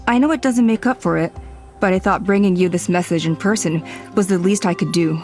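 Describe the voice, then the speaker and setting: A woman's voice: fairly low pitch, a little mellow, soft background music, lightly acted. A woman voicing a dignified tribal elder in a game, speaking formally and courteously. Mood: earnest. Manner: formal, measured, apologetic.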